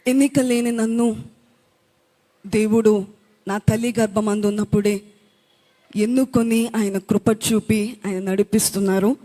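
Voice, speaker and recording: A woman's voice: medium pitch, steady tone, measured pace, long pauses, dark tone. A woman earnestly telling her testimony at a church youth event. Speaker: speaker giving testimony. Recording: long hall reverb.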